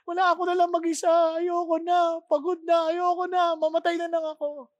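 A woman's voice: extremely high pitch, flat delivery, a little fast, no echo, highs cut off, voice pushed up. A woman voicing a weary, despairing male prophet who pleads and repeats himself, in a dry, close recording. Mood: weary lament.

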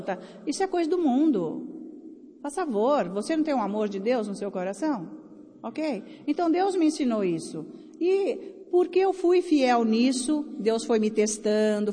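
Brazilian woman preacher, blunt exhorting delivery, slightly high voice, echo of a big church hall. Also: warm tone. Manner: blunt, exhorting, speaks to the crowd. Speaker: preacher raising offerings at a conference. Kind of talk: sermon. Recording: long hall reverb.

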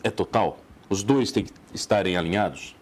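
A man hosting a TV talk show, prompting his guest with quick questions. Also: low-pitched. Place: TV studio.

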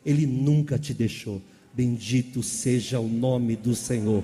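A man's voice: mid-range voice, fairly even intonation, a little slow, mellow, big-room sound. A man preaching a sermon, calling out questions to the congregation. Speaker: pastor.

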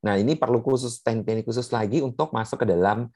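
A woman's voice: very deep voice, a little fast, warm tone, husky, no room sound. Woman giving a dry, filler-rich seminar talk. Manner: explanatory, many fillers, lists points one by one. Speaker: speaker on puberty in children with special needs.

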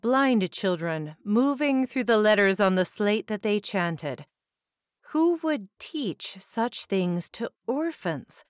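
A woman reading a fantasy short story aloud in a slow, measured narration. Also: medium pitch, no echo, clean studio sound. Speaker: story reader.

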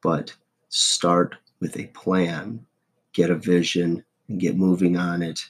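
Hosting a motivational video podcast, a man in his forties speaks slowly and flatly in a low, husky, rough voice, hoarse and prone to throat-clearing. His casual monologue is folksy and self-deprecating, punctuated by "okay?" and "right?".

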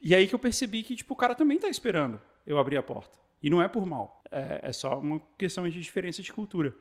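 A Brazilian man with a Brazilian Portuguese accent talks through stories in relaxed conversation. He speaks very quickly, in a voice a bit higher than most men's. He restarts phrases often and stays animated throughout. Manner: animated storyteller, many restarts and fillers. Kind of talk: casual chat.

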